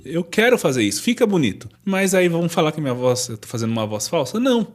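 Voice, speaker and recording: Man, vocal teacher, explanatory, slightly high voice, faint music behind. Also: very animated, fast. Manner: explanatory, addresses viewer directly, demonstrates registers. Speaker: singing teacher. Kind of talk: vocal lesson with sung demonstrations.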